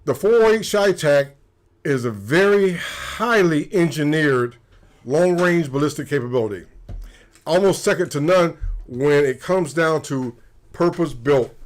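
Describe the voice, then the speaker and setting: A former sniper co-hosts a livestream, his voice on the high side and expressive at a measured pace. In casual talk he explains things matter-of-factly, often restarting his sentences.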